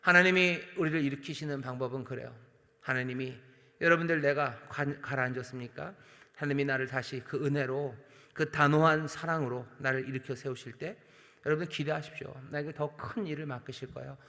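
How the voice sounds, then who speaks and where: Male pastor, earnest sermon, mid-pitched voice, swelling then hushed, long church reverb. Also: steady tone, brisk. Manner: earnest preaching with emphatic swells and soft drops; addresses the congregation directly and voices God's questions. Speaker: senior pastor. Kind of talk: sermon at a Friday night prayer service. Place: large church sanctuary.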